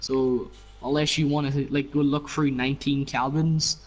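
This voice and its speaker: A man's voice: mid-range voice, little pitch movement, normal speed, low-quality recording. A man casually showing other players around his game build, rambling with lots of fillers over voice chat. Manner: rambling, many fillers and "you know". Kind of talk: casual game tour narration.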